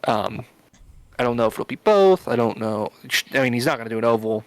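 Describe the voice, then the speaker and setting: A man's voice: medium pitch, animated, a little fast, a crowd in the background, rough recording. A man hosting a podcast in casual chat, explaining at length with lots of fillers and restarts. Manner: rambling, filler-heavy explaining. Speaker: podcast host.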